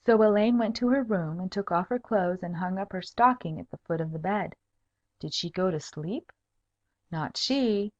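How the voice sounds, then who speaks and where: Woman narrator, slightly dull recording. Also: medium pitch. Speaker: audiobook narrator. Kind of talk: scripted narration of a humorous tale.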